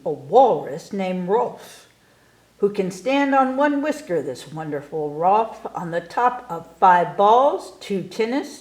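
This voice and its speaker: A woman voicing a boastful, excitable young boy showman in a storybook, with grandiose carnival-barker delivery. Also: medium pitch. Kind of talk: storybook read-aloud. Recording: echoey room.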